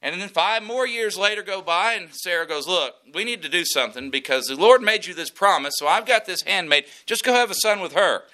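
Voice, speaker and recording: Preacher guy, folksy and animated, bright edgy voice, a bit high. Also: a little fast, hardly any pauses, rough recording. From West Texas. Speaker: pastor. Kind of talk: sermon.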